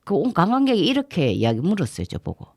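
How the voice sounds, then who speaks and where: A middle-aged woman with a Gyeongsang accent, co-hosting a community radio show and telling stories in an animated way, acting out the voices of people she quotes. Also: lowish voice, fast talker, creaky, dry recording, clean studio sound. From Namhae, South Korea. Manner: animated retelling, acts out quoted dialogue. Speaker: radio co-host and tour guide. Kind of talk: casual radio chat, storytelling. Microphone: studio microphone.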